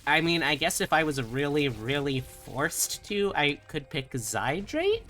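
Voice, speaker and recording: A woman live streamer chatting casually with her viewers, rambling and thinking aloud in a halting way. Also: low voice, very animated, fairly bright tone, faint music behind. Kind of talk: casual chat with livestream viewers.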